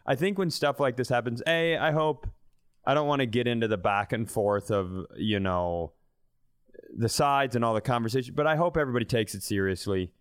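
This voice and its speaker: Clear-voiced man, dry close podcast sound. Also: mid-range voice, brisk, no echo. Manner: informal, swearing. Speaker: comedy podcast host. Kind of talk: casual chat.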